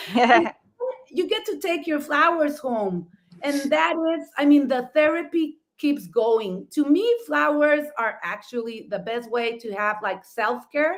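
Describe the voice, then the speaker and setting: Someone in a Mexican accent speaks fairly slowly, with very wide pitch swings. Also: woman, high pitch for a woman. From Mexico. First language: Spanish. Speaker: florist and flower workshop teacher. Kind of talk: casual chat.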